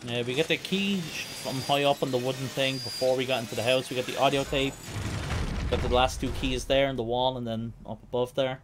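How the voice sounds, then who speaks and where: Male speedrun streamer, mid-pitched, chatty live commentary, light game ambience underneath. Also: steady tone, brisk. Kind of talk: casual live gameplay commentary. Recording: faint noise, game audio behind. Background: video game ambience.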